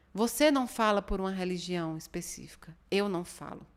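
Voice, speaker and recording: A woman talks at a moderate pace with lively intonation on a very clean recording with a silent background. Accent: Ceará. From Brazil, Ceará (Northeast). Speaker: spiritist presenter. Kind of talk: spiritual talk.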